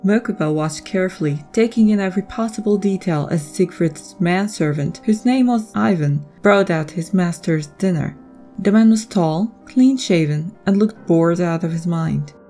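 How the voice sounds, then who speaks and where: Low-pitched woman narrating a story. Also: moderate pace, dark tone, soft background music. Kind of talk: scripted dramatic story narration.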